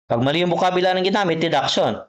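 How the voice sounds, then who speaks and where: Racing along in a high-pitched voice, a man tutors a student privately online for an exam. He explains things patiently, repeats every point, and keeps checking in with the learner.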